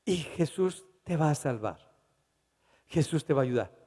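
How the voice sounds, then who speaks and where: A man's voice: a little high, animated, unhurried, dark tone, long reverb tail. A man preaching a fervent sermon, building to emphatic exhortations.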